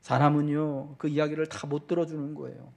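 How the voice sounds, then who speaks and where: A male pastor delivering a Sunday sermon, talking straight to the congregation with repeated questions and swelling, slowed-down emphasis on key words. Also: fairly high pitch, level tone, creaky. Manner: fervent preaching that slows and swells for emphasis.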